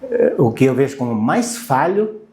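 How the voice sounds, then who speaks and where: A man's voice: medium pitch, big pitch swings, moderate pace, a little mellow. Guy in his 60s from brazil, japanese is his first language, chatting in an interview, keeps searching for words, echoey room. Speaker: guest, university lecturer and language student. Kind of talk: casual conversational interview. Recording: roomy, echoing voice recording.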